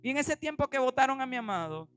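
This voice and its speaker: A woman pastor preaching a sermon in an animated way, swinging between loud emphatic lines and quiet asides. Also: high-pitched, quick pace, no echo, soft background music. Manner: animated preaching, acting out quoted voices.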